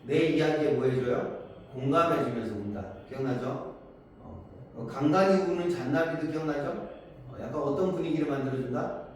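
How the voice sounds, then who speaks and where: A man with a slightly high voice and darkish tone explains Korean poems to a class at a moderate pace, asking questions and answering them himself. The recording is faintly noisy and distant, in a room with echo.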